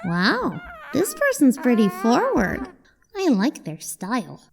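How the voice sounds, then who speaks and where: Woman playing a high-voiced curious child, lively. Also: slow, vocal fry, a crowd in the background, heavily acted. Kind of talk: fan comic dub.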